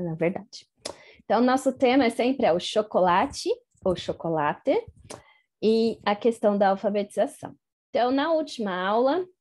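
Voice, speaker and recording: Mellow-voiced woman giving an online lecture. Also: mid-range voice. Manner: explanatory, checks in with "né?" often. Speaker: teacher trainer. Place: home office in Germany.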